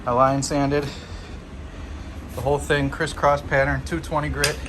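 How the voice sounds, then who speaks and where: A young man talks a little out of breath as he walks around a car in his garage, plainspoken and proud of every small detail he points out. His voice sits at an ordinary middle pitch. A steady fan hum and workshop noise stay clearly audible behind him on the camera mic. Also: a little slow. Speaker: car restorer showing his work. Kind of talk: casual walkaround video log.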